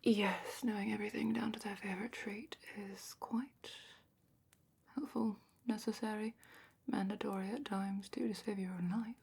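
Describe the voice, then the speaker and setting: A woman playing a calm, patient dragon keeper guiding a student, in a gently wry, soft whisper for a fantasy ASMR roleplay, close to the microphone. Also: medium pitch, moderate pace, a little hiss or hum, close to an everyday voice. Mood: fond, wry. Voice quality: breathy whisper and soft-spoken murmur.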